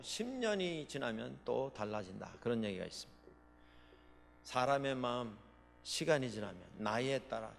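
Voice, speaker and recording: A man delivers a Sunday sermon from a church sanctuary, his voice of ordinary pitch trailing off into a long hall reverb. He preaches dramatically, building to loud declarations and then falling back to low, quiet asides. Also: creaky. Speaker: pastor.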